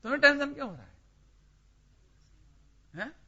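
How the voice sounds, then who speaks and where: A man with a high voice leads a scripture study class. He questions his listeners by name and drives each point home with emphasis. His sharp, piercing tone comes through on a dull lo-fi recording. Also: sing-song, normal speed. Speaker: religious teacher.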